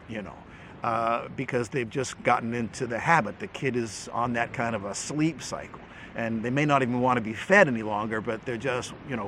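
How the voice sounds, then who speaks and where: A man's voice: medium pitch, a bit bright, slight background noise. Folksy, chuckling middle-aged man teaching. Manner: folksy and humorous, with chuckles and repeated restarts. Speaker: Bible teacher and host. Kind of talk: casual teaching talk to camera.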